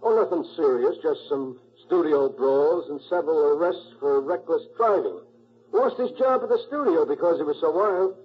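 Husky, blunt police sergeant, old radio. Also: male voice, on the high side, lively intonation, moderate pace. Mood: businesslike. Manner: blunt, slangy. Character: tough, blunt male police homicide sergeant. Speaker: actor in radio drama. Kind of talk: 1940s radio acting. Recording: muffled old 1940s radio recording.

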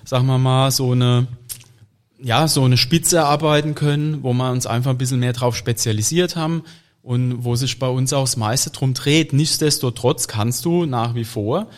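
A man's voice: medium pitch, normal speed. A man, a butcher guest chatting casually and explaining at length with fillers. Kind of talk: casual chat.

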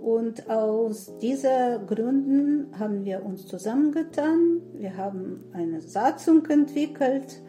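A woman in her sixties from Ukraine, answering interview questions in a halting way with many pauses and fillers. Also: on the high side, animated, warm tone, faint music behind. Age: 60s. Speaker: guest, association founder.

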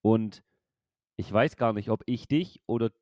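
A man's voice: on the low side, a little slow, mellow, no echo, clean studio sound. A man in his thirties hosting a casual podcast chat, rambling and laughing often, with a loose, swearing way of talking. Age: 30s. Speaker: podcast host and streamer.

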